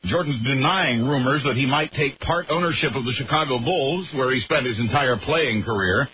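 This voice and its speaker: A man's voice: medium pitch, normal speed, sharp tone. A man reading the news on a radio show with wry, punchy delivery and some casual banter. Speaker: radio newsreader. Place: radio studio. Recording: noisy taped radio broadcast.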